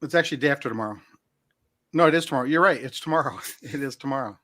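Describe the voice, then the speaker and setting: A man's voice: mid-range voice, very fast, pushed and bright. A man in his fifties hosting a comedy morning show, joking and self-mocking in casual banter. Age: 50s.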